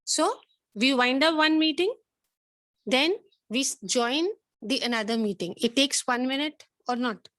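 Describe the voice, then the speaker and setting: A woman's voice: high voice, unhurried, a bit bright, no room sound, clean studio sound. A woman with a South Asian accent teaching an online class, questioning pupils in a stern, insistent way. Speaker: schoolteacher.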